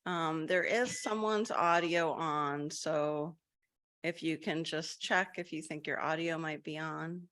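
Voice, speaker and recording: A woman guiding a group meditation, her low voice carrying a crisp, bright edge. She drifts gently from thought to thought, with soft fillers and restarts. She sounds like she is on a video call. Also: steady tone, slow. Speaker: meditation guide.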